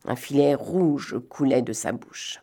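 A woman giving an expressive, suspenseful reading of a novel. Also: extremely low pitch, slow pace. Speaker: reader. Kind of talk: dramatic literary reading.

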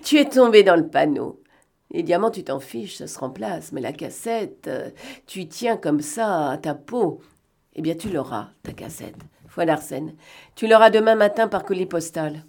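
Woman voicing a sly gentleman thief for an audiobook: bantering, sardonic, quick commands, pitch sitting a bit low. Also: lively intonation, vocal fry. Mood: mocking. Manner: bantering, sardonic, brisk orders. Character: cunning gentleman thief, man, mocking and commanding. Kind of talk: audiobook reading.

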